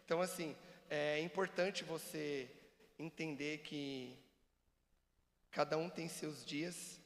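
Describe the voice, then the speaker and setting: A man giving an animated, joking church seminar talk and acting out examples for the audience. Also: fairly high pitch, slow pace. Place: church hall. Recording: long reverb of a church hall.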